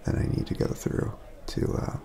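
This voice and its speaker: A man speaking softly in a casual ASMR roleplay, laid-back and friendly, chatting as if to a friend. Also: normal speed, slight background noise. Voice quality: soft, breathy at times, creaky.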